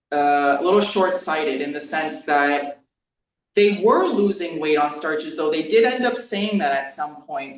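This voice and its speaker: Woman, 30s, casual rambling interviewee with lots of "like", roomy distant sound. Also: deep voice. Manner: rambling, peppered with "like". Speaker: YouTube creator on diet. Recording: echoey room, distant from the mic.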